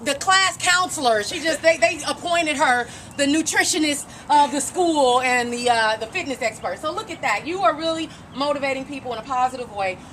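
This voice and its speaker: A woman's voice: high-pitched, expressive, normal speed, hardly any pauses, a bit bright, slight background noise. A woman coach interviewing and giving an emphatic, encouraging pep talk, repeating phrases for emphasis.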